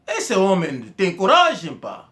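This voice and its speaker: A man's voice: high voice, huge pitch swings, slow, fairly bright tone. A man giving an impassioned, accusatory political monologue, stumbling and repeating words as he presses his points. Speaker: political commentator.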